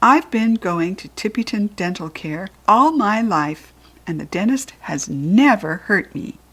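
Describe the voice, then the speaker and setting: A friendly young girl chats cheerfully and reassures others, as a woman reads her lines. Her voice is soft and a little breathy. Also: medium pitch, expressive, measured pace. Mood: reassuring.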